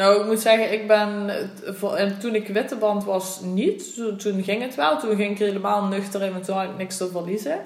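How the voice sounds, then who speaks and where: Over noticeable background noise and audible room echo, a woman with a Limburg accent speaks at a moderate pace and medium pitch, with fairly even intonation. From Limburg, Netherlands. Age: 20s. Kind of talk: casual interview. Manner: halting.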